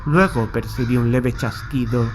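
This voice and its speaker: A man's voice: mid-range voice, steady tone, normal speed, close to an everyday voice. A haunted man from played by an actor tells his horror tale in a mid-range voice. His delivery is grave, literary and anxious, over a faintly noisy night backdrop. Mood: tense, foreboding. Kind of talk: first-person horror audiobook narration. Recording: faint night ambience behind the voice.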